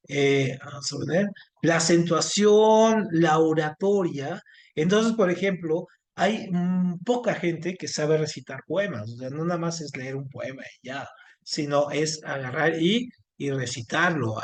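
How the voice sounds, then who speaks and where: A man teaching an online class, speaking haltingly with many fillers and restarts. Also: a little high. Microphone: video call.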